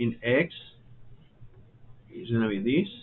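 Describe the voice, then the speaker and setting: The speaker is male. His voice sits at a medium pitch. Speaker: engineering instructor. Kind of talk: lecture.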